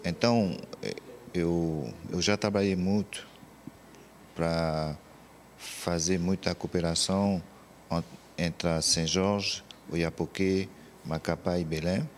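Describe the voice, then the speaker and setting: A man giving an interview indoors, speaking haltingly with frequent restarts. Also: low voice, steady tone, slight background noise. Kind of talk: interview soundbite.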